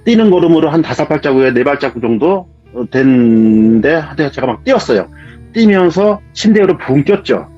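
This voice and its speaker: A man with a husky voice, telling a true ghost story in a vivid, dramatic way as a guest in casual spoken storytelling. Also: fairly high pitch, expressive, brisk, darkish tone. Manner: vivid, dramatic retelling of events. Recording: dull lo-fi sound with faint music.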